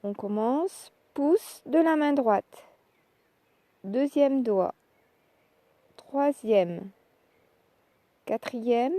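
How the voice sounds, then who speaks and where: A woman leading a guided yoga relaxation, speaking calmly and in measured short phrases with pauses. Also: a little high, no echo. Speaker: yoga nidra relaxation instructor. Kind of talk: guided meditation, soft instructional narration.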